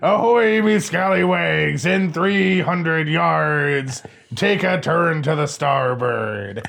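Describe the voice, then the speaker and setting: At a very slow pace, a man uses a put-on character voice pitched fairly high. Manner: slow, drawn out.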